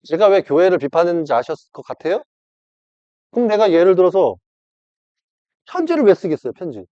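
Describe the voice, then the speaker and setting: A man's voice: high-pitched, animated, quick pace, no room sound. A man preaching an informal sermon, acting out dialogues and addressing the audience directly. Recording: dull lo-fi dry recording.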